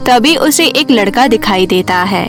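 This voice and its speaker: A woman's voice: mid-range voice, lively intonation, unhurried, faint music behind. A woman narrating a scripted children's story in a storytelling style.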